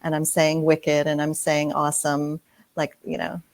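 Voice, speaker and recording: A middle-aged woman from New England chatting casually as an interview guest, telling stories in an emphatic, expressive way. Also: low-pitched, a little slow, background noise. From New England, United States. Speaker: community theater actor, interview guest.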